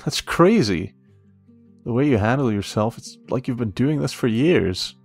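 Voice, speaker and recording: An actor playing a friendly, protective young café worker in a romance audio roleplay, curious and admiring, gently teasing with hesitant pauses. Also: male voice, mid-range voice, lively intonation, gravelly, slightly rough, full character voice. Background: soft guitar music.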